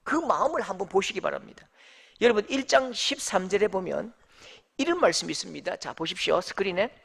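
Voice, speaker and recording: Animated pastor with a Daegu accent. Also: male voice, high voice, fairly quick, creaky, slightly rough. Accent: Daegu dialect. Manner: animated and emphatic, addressing the congregation. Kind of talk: sermon.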